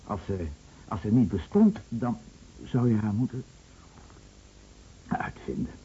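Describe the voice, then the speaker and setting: Chatty bedridden husband, radio drama; musing, theatrical, very animated; muffled old recording with slight hiss. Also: male voice, on the low side, slow pace, exaggerated voice. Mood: wry, musing. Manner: stammering, musing, theatrical swings of emphasis. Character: bedridden husband with broken leg, chatty, teasing, fretful. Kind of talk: radio play acting.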